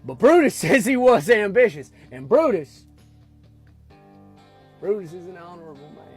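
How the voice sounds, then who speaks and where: A man with a Southern US accent and a husky voice, reciting a Shakespeare monologue in a casual, halting way with restarts. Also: high-pitched, sing-song, soft background music.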